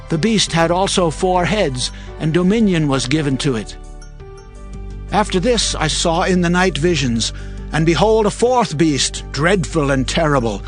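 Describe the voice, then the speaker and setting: A man playing a faithful, earnest prophet in a dramatized scripture production, speaking with solemn, measured declamation. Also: a little high. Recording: music behind the voice.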